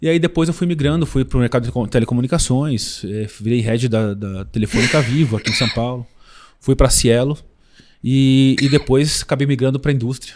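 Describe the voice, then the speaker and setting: A man with a plain, everyday voice speaks at a moderate pace in a medium pitch with ordinary pitch variation. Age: young. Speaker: corporate sustainability director. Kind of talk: podcast interview.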